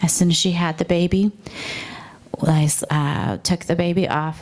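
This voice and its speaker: Against noticeable background noise, a woman speaks at a fairly low pitch in a monotone, flat intonation. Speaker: keynote speaker. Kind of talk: keynote speech. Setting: stage with audience. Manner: fast talker.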